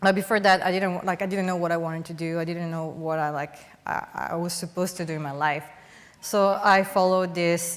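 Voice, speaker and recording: A woman's fairly low voice with an Italian accent and fairly even intonation. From Italy. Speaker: plant biology researcher. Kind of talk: panel talk. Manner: halting.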